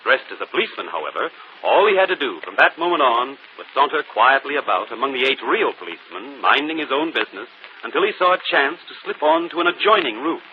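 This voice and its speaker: An actor playing a brilliant, self-assured gentleman detective in a 1940s radio mystery, explaining calmly. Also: medium pitch, fast, lightly acted. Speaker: detective and show host. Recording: muffled old radio broadcast, faint hiss.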